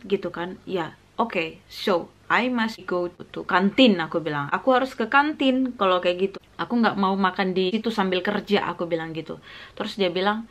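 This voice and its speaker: An Indonesian woman with a medium-pitched, slightly bright voice tells a casual vlog story about a job. She acts out the dialogue, drops in English phrases, and uses lots of fillers.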